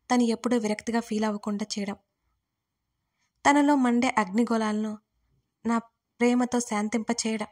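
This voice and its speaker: A young woman narrating an audio story reads a romance in the first person as its heroine. Her voice is a little high for a woman and a little mellow, and she keeps the telling intimate and emotional.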